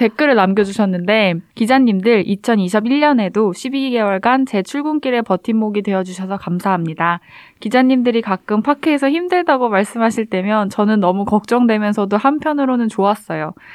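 An unremarkable speaking voice from a woman, fairly high in pitch, with lively intonation, very even loudness, a moderate pace and hardly any pauses. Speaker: journalist podcast co-host. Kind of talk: casual chat.

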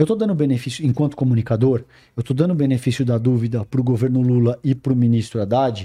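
Against a quiet background, a man talks at a very fast pace in a fairly high pitch, his voice somewhat breathy with a dark, mellow tone. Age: 40s. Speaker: journalist and political commentator. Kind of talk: casual chat.

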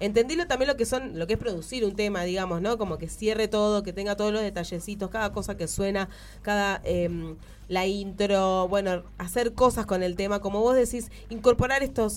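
At a moderate pace, a woman speaks at a medium pitch. Her pitch variation is ordinary. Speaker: radio host and singer. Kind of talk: casual chat. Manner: animated.

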